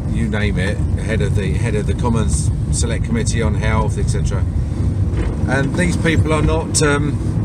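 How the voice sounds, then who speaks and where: A man speaks at a moderate pace, his voice dry with no echo, over loud background noise. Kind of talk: casual vlog commentary. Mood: critical, somewhat rueful. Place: car. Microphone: phone near.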